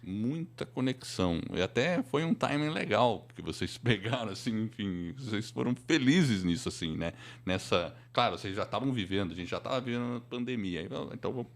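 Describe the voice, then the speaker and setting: Lively-pitched, lowish-voiced Brazilian male host. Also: brisk, hardly any pauses. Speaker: podcast host, interviewer. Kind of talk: casual live interview.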